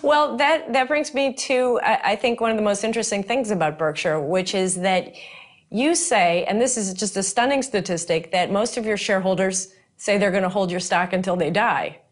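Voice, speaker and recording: A middle-aged woman interviewing a business leader, framing her questions in a measured and complimentary way. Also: medium pitch.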